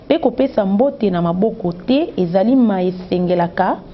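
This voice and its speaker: A woman news reporter, reading a report with a steady delivery. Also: mid-range voice, moderate pace, a little hiss or hum. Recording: dull lo-fi news audio.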